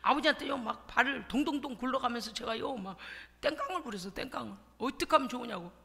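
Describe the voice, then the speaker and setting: A middle-aged woman pastor preaching in a church, swinging between hushed asides and sobbing shouts as she acts out her prayers. Her voice is high and very lively, and it rings out with a long hall reverb. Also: fast, creaky. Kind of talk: animated sermon. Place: church sanctuary.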